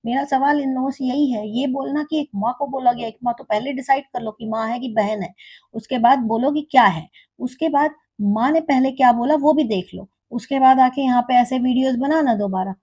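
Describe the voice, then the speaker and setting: Woman, reaction host, high voice, mellow tone, sarcastic scolding, drops english phrases. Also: normal speed, husky.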